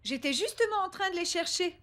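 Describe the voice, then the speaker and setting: A woman voicing a kindly, playful mother in a French-dubbed preschool cartoon, expressive and gentle. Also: very high voice, fairly quick. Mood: gently teasing.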